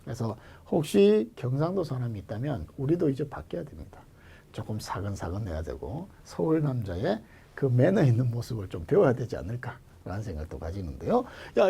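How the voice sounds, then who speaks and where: Animated gravelly-voiced male lecturer. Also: mid-range voice. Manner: animated, jokey, switches between loud calls and whispered asides. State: strained throat. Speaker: Korean language exam lecturer. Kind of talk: online exam-prep lecture.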